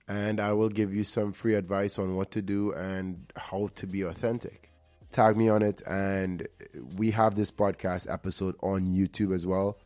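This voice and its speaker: A man's voice: deep voice, darkish tone. A man hosting a podcast, talking in an earnest, motivational way. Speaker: podcast host. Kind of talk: casual podcast talk.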